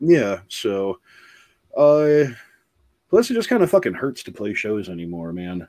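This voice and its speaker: Using very wide pitch swings at a medium pitch, a man speaks with long, frequent pauses. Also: big swings in loudness. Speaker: podcaster and musician. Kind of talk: casual chat, comedic banter. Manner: crude, joking.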